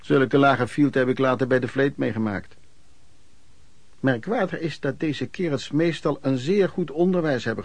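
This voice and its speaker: A man's voice: mid-range voice, no echo. An actor in a Dutch radio play playing a wry, plain-spoken pedlar recounting his wanderings. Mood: matter-of-fact. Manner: colloquial, matter-of-fact storytelling. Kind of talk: dramatised first-person narration.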